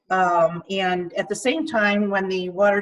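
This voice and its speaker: A woman has a normal speaking voice at medium pitch. Her intonation stays fairly even. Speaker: city manager. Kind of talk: budget presentation at council meeting.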